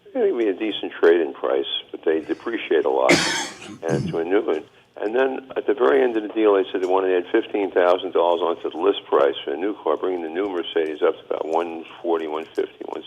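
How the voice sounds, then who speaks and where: Clear background noise sits under a man who speaks extremely quickly. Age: 80s+. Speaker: caller. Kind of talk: call-in question. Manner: halting.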